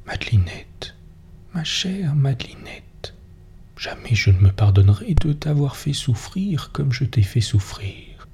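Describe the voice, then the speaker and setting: A man in a whispered role-play, voicing a gruff, grumbling peasant husband. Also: mid-range voice, big pitch swings, a little slow, pitched above the performer's own voice. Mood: remorseful. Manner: soft whispered reading.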